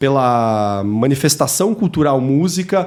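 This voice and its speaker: A man's fairly high-pitched voice rises and falls with lively intonation while noticeable background noise runs beneath it. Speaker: podcast co-host, music history teacher. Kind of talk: casual chat. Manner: animated; fast.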